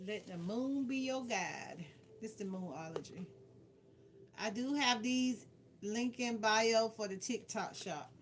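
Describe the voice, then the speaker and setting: A woman's voice: on the high side, measured pace. A woman doing a casual livestream card reading, giving playful, blunt advice and repeating phrases for emphasis. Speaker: tarot card reader and livestream host. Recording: clearly noisy background with clicks.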